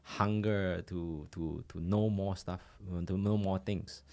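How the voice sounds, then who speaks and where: Man from Singapore, very low voice, hesitant, lots of filler words, guest on a podcast. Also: fairly even intonation, takes it slowly, warm tone. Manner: hesitant, many fillers and restarts. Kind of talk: conversational interview.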